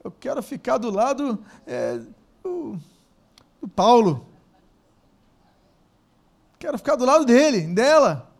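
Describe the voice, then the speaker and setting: Male preacher, high-pitched, animated, quizzes the congregation, punches words with loud bursts. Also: slow, vocal fry, long pauses. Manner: asks the congregation questions. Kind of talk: sermon.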